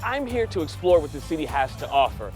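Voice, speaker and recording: A realtor hosts a home-buying show, delivering scripted narration with upbeat enthusiasm and chatting with buyers on site. His voice is fairly high and sing-song with a darkish tone, at a quick pace, over background music.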